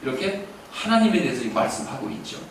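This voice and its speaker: Male pastor, lively storytelling sermon, distant mic, faint hiss. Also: mid-range voice, quick pace, creaky, very echoey. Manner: animated storytelling preacher. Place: church sanctuary.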